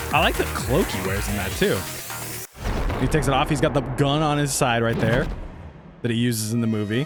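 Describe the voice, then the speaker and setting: With music playing in the background, a man of medium pitch talks at a fairly quick pace with lively intonation, broken by long, frequent pauses. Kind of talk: casual livestream trailer reaction. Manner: casual, excitable.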